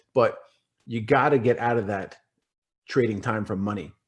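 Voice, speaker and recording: A man with an American accent talks at a moderate pace and a medium pitch. His tone is calm and somewhat breathy. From Eastern Long Island, New York. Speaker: business coach and speaker. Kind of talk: interview answer. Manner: calm, never raises his voice.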